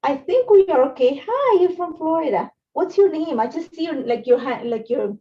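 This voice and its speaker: A woman's voice: high voice, expressive, moderate pace. A middle-aged woman from Ecuador, hosting a casual craft livestream from her home craft room, chatting, rambling and greeting viewers by name. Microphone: phone and laptop livestream setup. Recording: dull lo-fi livestream audio.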